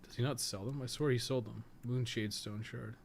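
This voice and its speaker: Male game streamer, mid-pitched, casual and rambling, talking to himself through play, noisy recording. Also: steady tone, normal speed, vocal fry. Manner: rambling, muttering to himself as he plays. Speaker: host of a game guide livestream. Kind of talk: casual video game livestream commentary, thinking aloud.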